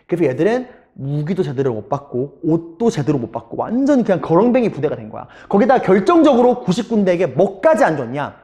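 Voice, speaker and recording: A man's voice: sits high, dark tone. A male middle school history teacher giving an online lecture, telling the story animatedly and talking straight to his students.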